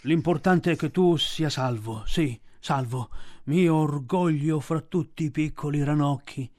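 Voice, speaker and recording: A man voicing a big gentle old bear who talks slowly with a groaning, fond manner. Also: fairly high pitch, lightly acted.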